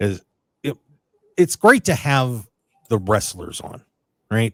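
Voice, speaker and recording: A man speaks at a very slow pace and medium pitch. His intonation is lively, with big swings in loudness. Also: dry, close sound with no echo. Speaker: radio show host. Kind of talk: radio show introduction of a guest.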